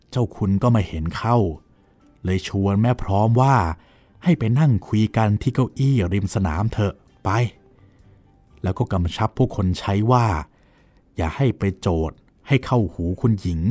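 A man's voice: on the low side, dry recording, lightly acted. A man voicing a polite, dutiful young nephew, recounting events deferentially in a dramatized novel reading. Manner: deferential, recounting events with lively acted quotes. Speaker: reader voicing a character.

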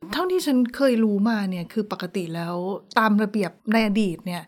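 A woman's voice: medium pitch, lively intonation, fairly quick. A woman co-host in a casual radio news chat, asking questions and reacting.

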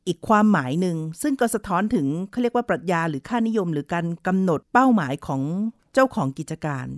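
A woman's voice: mid-range voice, big pitch swings, fast, dry recording, studio quality. A middle-aged woman hosting a talk show interview, asking long, carefully framed questions in a polite manner. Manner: asks long framing questions, polite particles. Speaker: host.

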